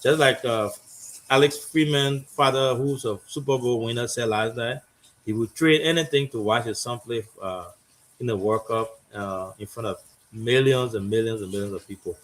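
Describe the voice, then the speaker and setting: A man's voice: medium pitch, moderate pace, fairly bright tone. A man hosting a political talk show, speaking in a loose, conversational way and thinking aloud as he goes.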